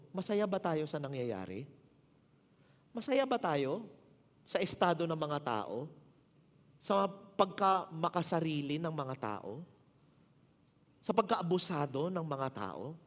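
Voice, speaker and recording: Animated Filipino pastor in a reverberant hall. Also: male voice, on the high side. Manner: animated, acts out dialogue with shifting voices. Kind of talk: sermon with storytelling. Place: church hall.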